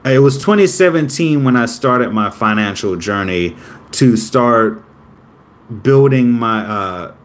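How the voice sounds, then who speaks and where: A man's voice: medium pitch, slight background noise. A man in his late twenties, talking casually to camera in a rambling way that often corrects itself. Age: 20s. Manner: rambling, self-correcting, upbeat about himself. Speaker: vlogger.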